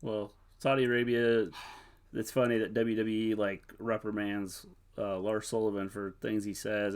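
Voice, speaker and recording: A man co-hosting a casual wrestling recap, critical and grumbling in his asides. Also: lowish voice. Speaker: podcast co-host.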